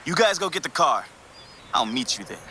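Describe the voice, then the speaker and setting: A man's voice: fairly high pitch, big pitch swings, normal speed, very noisy. A man playing an earnest, helpful superhero in a fiction podcast drama. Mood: brisk, assured. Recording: loud music over the voice.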